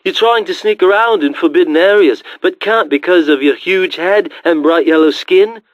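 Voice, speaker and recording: Guy doing cheeky game creature salesman, highish bouncy voice, bit muffled. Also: normal speed, dry recording, lightly acted. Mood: salesmanlike. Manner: glib, flippant. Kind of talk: animated sales-pitch character acting.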